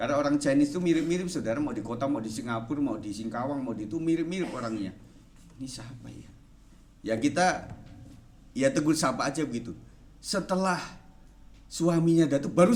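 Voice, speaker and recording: With a Javanese accent, a man with a fairly high pitch speaks at a fairly quick pace yet with long, frequent pauses. His pitch swings very widely, his loudness shifts a lot, and audible room echo is present. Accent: Javanese accent in every language. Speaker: pastor. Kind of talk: sermon.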